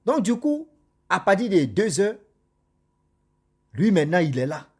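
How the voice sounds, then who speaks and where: A man with a slightly higher than usual voice tells a cautionary story in a loose, conversational way. He repeats phrases for weight and turns often to address his listeners directly. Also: very animated, a little slow, a little mellow, breathy edge. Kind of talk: casual spoken storytelling.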